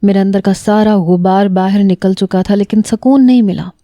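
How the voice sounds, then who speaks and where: A woman narrating a romantic story in the first person, steady and emotional. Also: medium pitch, dry recording.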